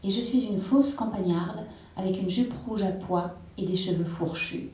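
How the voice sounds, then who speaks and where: A woman giving an intense, measured literary reading on a theatre stage. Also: mid-range voice, a little mellow. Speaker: reader. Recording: echoey hall, distant mic.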